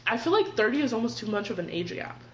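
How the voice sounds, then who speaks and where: A woman's voice: a little high, sing-song, fast talker. Slangy twenty-something woman, echoey room. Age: 20s. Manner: slangy, swears a lot, says "dude" often. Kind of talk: casual chat. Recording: echoey room with faint background noise.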